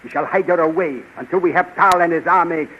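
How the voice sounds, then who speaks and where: A man's voice: on the high side, fast talker, a bit bright, slight background noise, close to an everyday voice. A man voicing a commanding older scientist in a 1930s radio drama, amused and authoritative. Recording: dull lo-fi 1930s radio recording.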